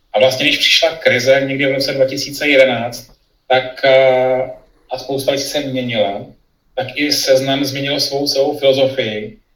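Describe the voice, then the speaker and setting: A man speaks at a very slow pace in a medium pitch with flat, monotone intonation. Audible room echo surrounds his voice. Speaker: online marketing agency founder. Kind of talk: casual interview. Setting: remote recording.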